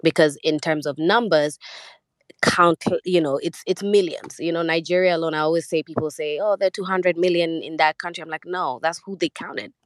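A young woman from Kenya talks as a podcast guest, her voice sitting low and unhurried. She rambles a little, restarts thoughts and laughs softly. The call audio is dry with no room around it. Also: no room sound. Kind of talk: casual remote interview. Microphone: remote call audio.

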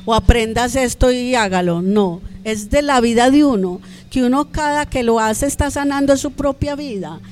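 Animated woman telling her story. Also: fairly high pitch, moderate pace, few pauses. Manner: animated, acts out quoted voices. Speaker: guest. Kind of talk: conversational storytelling.

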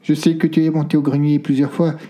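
A man reading aloud and voicing a worried, secretive older grandmother who speaks in a soft, hesitant way. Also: a little high, little pitch movement, quick pace, pitched above the performer's own voice, lightly acted. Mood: evasive.

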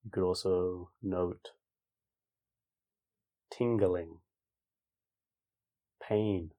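A man leading a guided meditation in a calm, informal way, speaking gently spaced instructions with long pauses. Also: low voice, narrow, tinny audio. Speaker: meditation teacher. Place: online group session over video call.

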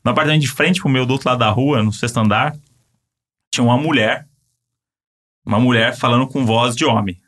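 Fast-talking Brazilian man telling a story. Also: medium pitch. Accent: Brazilian Portuguese. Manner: rapid, animated storyteller with many fillers. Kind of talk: casual storytelling chat.

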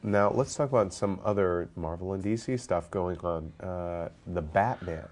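Stuffed up guy with a real low voice, hosting a movie podcast, chatty and jokey. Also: normal speed, darkish tone. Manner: chatty, lots of fillers, jokey. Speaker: podcast host. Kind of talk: casual roundtable chat.

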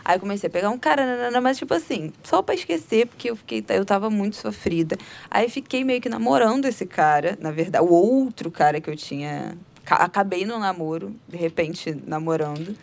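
A woman, co-hosting a podcast and telling a personal story in a chatty, animated way. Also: medium pitch, brisk, creaky. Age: 20s. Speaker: podcast co-host. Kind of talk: casual chat, storytelling.

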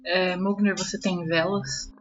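A woman's voice: fairly low pitch, flat delivery, unhurried. A woman playing a tabletop roleplay game, switching between describing her actions and speaking in character. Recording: muffled, under loud music.

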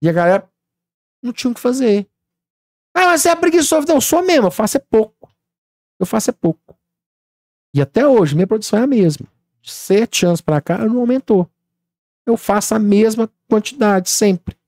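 A man's voice: high-pitched, normal speed, long pauses, dry recording, studio quality. A man, a podcast guest telling stories and acting out what people said. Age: 30s. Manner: animated storytelling, acts out dialogue. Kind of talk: casual podcast chat.

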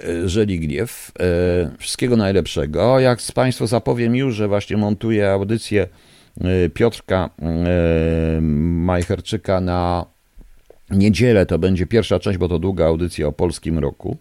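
With a deep, warm voice and an unhurried pace, a male radio host angrily rants at listeners in a live studio broadcast. There is no room sound on the studio microphone.

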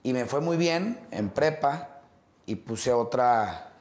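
A man's voice: mid-range voice, slow pace. Middle-aged guy rambling thru his stories in an interview, lots of ums, echoey room. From Mexico. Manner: relaxed, rambling storytelling with many fillers and restarts. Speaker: interview guest. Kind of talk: casual interview conversation.

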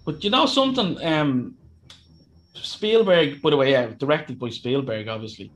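A man's voice: a little high, animated, normal speed, fairly bright tone, poor audio. A man co-hosting a horror film podcast, sounding froggy from a cold, rambling and laughing a lot. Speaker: podcast co-host. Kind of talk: casual film chat.

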